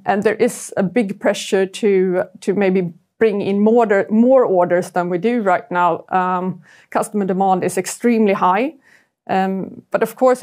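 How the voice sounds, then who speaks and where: A woman's voice: mid-range voice, a little mellow. A woman giving a corporate earnings presentation as chief executive, searching for words as she goes.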